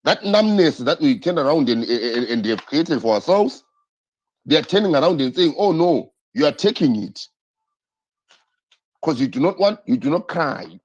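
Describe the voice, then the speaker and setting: A man's voice: on the high side, very animated, normal speed, slightly rough. A man hosting a political live stream, talking with passion, repeating himself and firing rhetorical questions. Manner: impassioned, repetitive, rhetorical questions. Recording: dull lo-fi stream audio.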